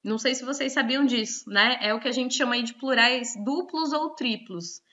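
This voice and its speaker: Bright Brazilian woman teaching grammar. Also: on the high side, moderate pace, dull audio. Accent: Brazilian Portuguese. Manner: explanatory, frequent tag questions. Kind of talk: online grammar lesson.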